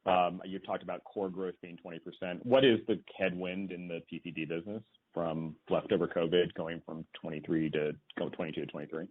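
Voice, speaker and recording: A man's voice: low-pitched, fairly even intonation, a little fast, hardly any pauses. A man, a financial analyst, asking questions on an earnings call with many fillers and hesitations. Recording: tinny phone line.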